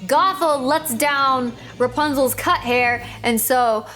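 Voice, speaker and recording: A woman's voice: high-pitched, takes it slowly, bright, forceful tone, soft background music. A woman hosting a storytelling video, chatting casually and animatedly as she retells a fairytale and acts out bits of dialogue.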